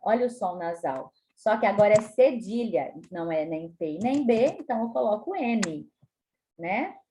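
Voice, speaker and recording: A woman with a Brazilian Portuguese accent teaching a spelling lesson to children, explaining patiently and stretching words out slowly. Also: medium pitch, animated, dark tone, slight background noise. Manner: slow, stretches words out syllable by syllable; frequent tag questions, patient explaining tone. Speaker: primary school teacher.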